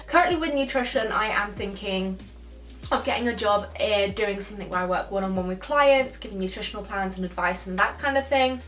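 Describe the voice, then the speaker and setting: A woman's voice: fairly high pitch, far from the mic. Woman, 20, vlogger Q&A, chatty, echoey room, faint music underneath. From Spain. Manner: chatty, thinks aloud, laughs now and then. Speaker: YouTuber answering viewer questions. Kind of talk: casual Q&A chat.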